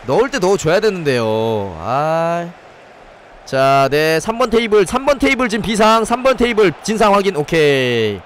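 Male game streamer, high and bouncy, stuffy with a cold, playful waiter-bit patter. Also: normal speed, slight background noise. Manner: playful, banters in a mock nightclub-waiter patter; shouts excitedly at chances on goal. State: head cold, sore throat. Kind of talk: live gameplay commentary.

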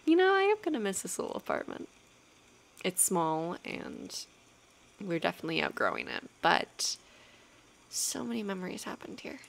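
Soft young woman with gentle vocal fry. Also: mid-range voice, very animated, normal speed. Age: 19, young adult. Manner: soft, often half-whispered, hesitant casual delivery. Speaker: ASMR roleplay performer playing an affectionate girlfriend. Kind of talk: intimate ASMR girlfriend roleplay, casual chat. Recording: clear background noise, rainy night ambience. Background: rain ambience.

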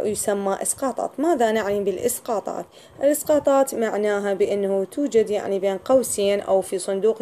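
A woman teaching a class, reading English sentences slowly and then explaining each one in detail. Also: medium pitch, warm tone. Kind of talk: explaining a lesson.

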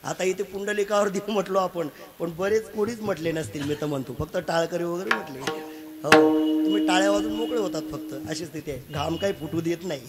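A man's voice: sits high, brisk. A man giving a devotional kirtan sermon, preaching with humor, repeated sayings and laughing asides before a live audience. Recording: live recording with crowd sound. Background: listening audience.

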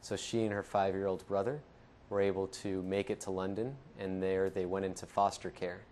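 Young man, deep flat earnest voice. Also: moderate pace, slight background noise. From Ecuador. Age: young adult. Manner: earnest, steady storytelling with some fillers. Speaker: founder of an anti-genocide network. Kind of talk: telling his life story to camera. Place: studio with dark backdrop.

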